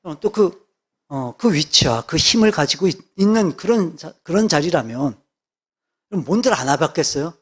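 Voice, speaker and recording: A man's voice: a little high, expressive, moderate pace, slightly rough. A male pastor preaching a sermon, emphatic, repeating key words and asking rhetorical questions.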